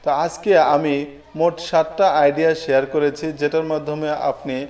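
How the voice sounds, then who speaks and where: A man's voice: on the high side, level tone, a little fast, darkish tone, far from the mic. Young adult man, Bangladeshi accent, video host, explainer narration, speaks straight to the viewer. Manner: addresses the viewer directly. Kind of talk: explainer narration of business ideas.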